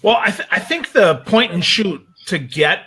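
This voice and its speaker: Bright, forceful man giving punchy commentary. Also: sits high, lively intonation, moderate pace, breathy edge. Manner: emphatic, punchy colloquial phrasing. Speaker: guest commentator. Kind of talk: casual opinionated commentary.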